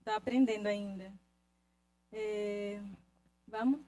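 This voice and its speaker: A nervous woman with a non-native accent in Portuguese, whose first language is indigenous, talks informally to an audience, halting and searching for words. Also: mid-range voice, fairly even intonation, dark tone. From Brazil, indigenous Ticuna territory. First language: an indigenous language, Ticuna. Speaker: singer presenting a song of their people. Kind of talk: informal spoken introduction to a live audience.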